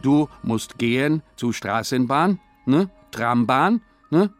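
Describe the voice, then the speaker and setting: A man voicing a stern club chairman who speaks slowly, loudly and in simplified broken phrases. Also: medium pitch, lively intonation, soft background music, voice pushed up. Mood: commanding. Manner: loud, slow, simplified broken talk to foreigners. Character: stern club chairman, middle-aged man, gruffly commanding.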